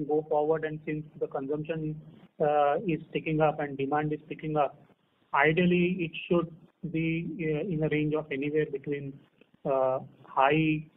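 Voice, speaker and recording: Higher-voiced executive over phone line. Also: male voice, flat delivery, moderate pace. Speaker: company executive. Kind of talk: earnings call answers.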